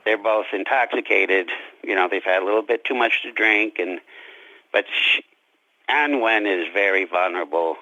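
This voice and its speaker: Gravelly low-voiced man, slightly lo-fi. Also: moderate pace, sharp tone, dry recording. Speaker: author, interview guest. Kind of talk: casual interview chat about his own story.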